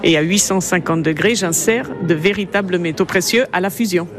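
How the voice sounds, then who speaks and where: A woman's voice: on the low side, fairly quick, over music. A woman with an Italian accent, a jewellery designer talking about her craft in an interview, effusive and repeating herself as she explains. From Italy. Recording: busy crowd noise behind.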